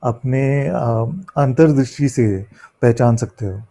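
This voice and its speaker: With a mellow, creaky, medium-pitched voice, a man teaches spirituality in question-and-answer format. He speaks a non-native Hindi that he apologises for, pausing to find words and slipping in English ones.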